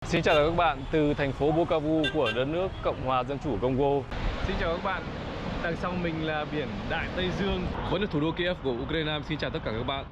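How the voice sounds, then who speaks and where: A man's voice: on the high side, a little fast. A man greeting viewers in travel vlog clips, speaking on location outdoors. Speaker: travel vlogger.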